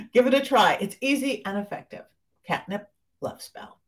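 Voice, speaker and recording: A woman's voice: on the high side, very animated, takes it slowly, sharp tone, distant mic. Bubbly woman host, voice set back from the mic. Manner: bubbly, enthusiastic, chatty. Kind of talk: podcast host interview and spell lesson.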